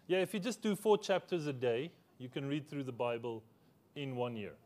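A man's voice: medium pitch, animated, moderate pace, darkish tone. A man whose first language is Afrikaans, preaching a conversational sermon in a church, with easy humor and questions put to the congregation.

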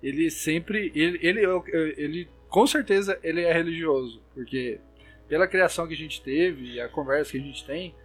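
A man's voice: fairly high pitch, normal speed, slightly rough, faint music behind. A young Brazilian man with a Brazilian Portuguese accent chats casually, telling spooky stories with many restarts and fillers. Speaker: storyteller.

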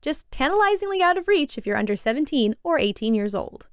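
A woman's voice: sits high, sing-song, a little fast, no room sound, studio quality. A woman reading a playful scripted announcement. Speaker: announcer of content rating.

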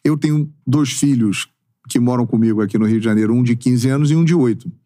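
A man in his forties, a sports narrator, chatting as a podcast guest in an expressive, talkative storytelling way with casual slang. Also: mid-range voice, fast talker, no echo, clean studio sound. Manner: expressive storyteller with emphatic, swooping delivery. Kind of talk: casual interview chat.

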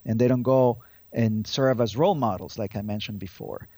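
Higher-pitched man in his fifties, lo-fi. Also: normal speed, mellow, no room sound. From Colombia. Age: 50s. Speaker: interview guest, advocacy group spokesman. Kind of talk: conversational interview answers. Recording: dull lo-fi audio with music.

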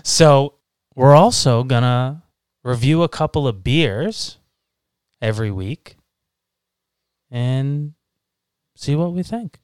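A man's voice: mid-range voice, expressive, slow pace, long pauses, a little mellow, smooth, no room sound, studio quality. A man in his thirties from Massachusetts, co-hosting a casual podcast chat over beers, joking and teasing with a laugh. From Massachusetts, USA. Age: 30s. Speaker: podcast co-host.

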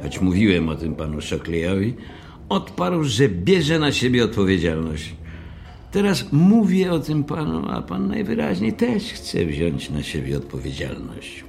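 Officious hotel manager, swooping low voice. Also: male voice, wildly swooping pitch, unhurried, creaky, darkish tone, soft background music, full character voice. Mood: stern, formal. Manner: formal, lecturing, condescending. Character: officious middle-aged male hotel manager, stiff and grudging. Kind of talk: audio drama acting.

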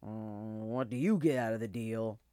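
A woman voicing a weary, toothless old male dog in a children's storybook, slow, sighing and grumbling. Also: very deep voice, mellow, dry recording, studio quality, voice pushed down. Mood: suspicious, grumbling.

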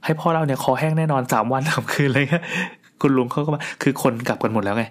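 A man's voice: mid-range voice, quick pace. A middle-aged man casually telling a long personal story in a chatty, rambling way, with restarts and crude asides.

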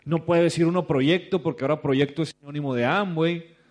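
His voice a little high and his pace brisk, a man with a Mexican accent gives a business talk to an audience. He spins a story with lots of energy, acting out each person he quotes, as a business speaker.

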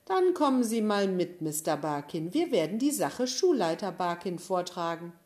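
A stern woman teacher, as a reader puts her on, firm and brisk in a low voice. She sounds in charge. It is a storybook voice. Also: very animated, darkish tone.

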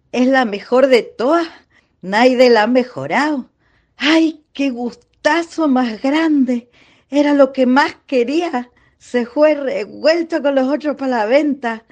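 A woman's voice: high voice, darkish tone, full character voice. A woman playing a tender, sentimental country ghost in a radio drama, speaking folksy Chilean Spanish with a Chilean accent.

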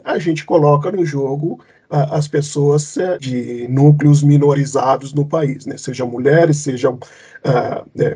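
A man's voice: a little high, dark tone, husky. A man from Cape Verde, a company leader, answering interview questions thoughtfully, with many fillers and restarts. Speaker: company executive, guest.

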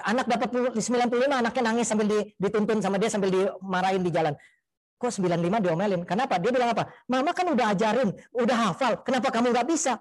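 Male priest, high voice, rapid delivery, animated homily. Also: poor audio. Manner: lively, acts out parents and children in quoted voices. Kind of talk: homily on parenting.

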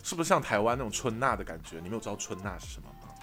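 A man from Sichuan, China, co-hosting a podcast and telling a trip story in casual chat, animated and often laughing. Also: fairly low pitch, rapid-fire, soft background music. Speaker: podcast co-host.

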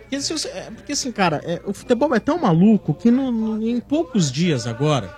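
A man, a regular panelist on a football talk show, arguing in an animated, emphatic way. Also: sits high, fairly quick. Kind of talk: casual sports debate.

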